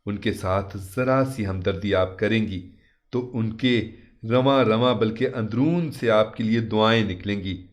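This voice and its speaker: A man voicing a gentle, pious Muslim cleric who counsels in an earnest, measured, preaching manner. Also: lowish voice, lightly acted.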